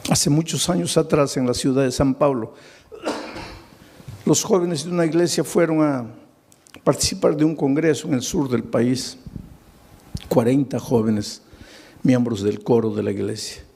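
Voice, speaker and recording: A man's voice: medium pitch, unhurried, vocal fry, pauses often, darkish tone, slightly rough. A man preaching a sermon, telling a Bible story with acted-out dialogue and rhetorical questions to his listeners. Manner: dramatic storytelling, acting out biblical dialogue; asks the audience rhetorical questions.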